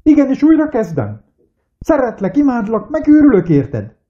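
An actor playing a pleading, melodramatic middle-aged actor who is lovesick, in a radio play. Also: male voice, extremely high pitch, wildly swooping pitch, lo-fi sound, exaggerated voice. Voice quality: theatrical, overblown. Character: pleading aging male actor, melodramatic lover. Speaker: actor Almády.

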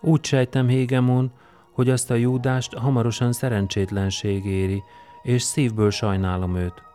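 A man reading an audiobook and voicing a gentle, earnest young prisoner who speaks calmly and sincerely. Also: medium pitch, clear, resonant tone, soft background music, pitched above the performer's own voice, close to an everyday voice. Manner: soft-spoken, calm and sincere.

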